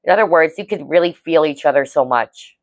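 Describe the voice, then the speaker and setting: A woman's voice: low-pitched, a little fast, dry recording. A woman giving a casual tarot reading to viewers, chatty and reassuring, often checking in with "okay?". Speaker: tarot reader.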